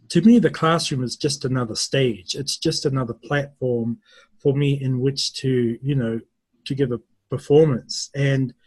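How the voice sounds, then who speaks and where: Slow, thoughtful man from New Zealand. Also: medium pitch, a little mellow, husky, dry recording, rough recording. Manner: slow, thoughtful, with many pauses and fillers. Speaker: university English teacher. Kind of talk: interview answers.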